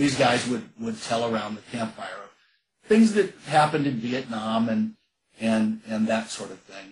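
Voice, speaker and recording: His intonation is lively. The man keeps a moderate pace, and his voice comes across somewhat breathy. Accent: American. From California, San Fernando Valley. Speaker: novelist and screenwriter. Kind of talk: interview.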